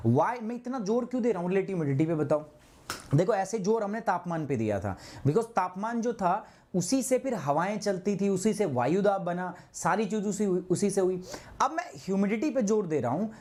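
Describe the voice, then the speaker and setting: A man's voice: high voice, darkish tone. A man teaching a live online class, chatty and scolding, who keeps checking in with his students as he switches between two languages. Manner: chatty and scolding, mixing Hindi and English, often saying "ठीक है".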